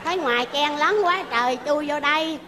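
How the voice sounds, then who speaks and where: A man playing a shrill nosy old granny. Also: a little fast. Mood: mocking. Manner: squealing complaints and exclamations. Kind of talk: stage comedy sketch. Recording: live stage with loud crowd noise.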